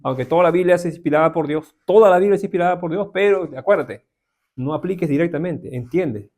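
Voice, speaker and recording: Gravelly Peruvian man teaching Bible. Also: fairly high pitch, fairly quick, darkish tone. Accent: Peruvian Spanish. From Peru. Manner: conversational, many filler questions, asks the class. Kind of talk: informal Bible class.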